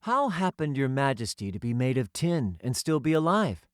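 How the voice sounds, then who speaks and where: An eager, courteous storybook boy, played by a man, pitched lightly upward. He sounds curious and polite, in a dry, close audiobook recording. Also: big pitch swings, normal speed, no echo, natural voice. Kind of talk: audiobook character voice.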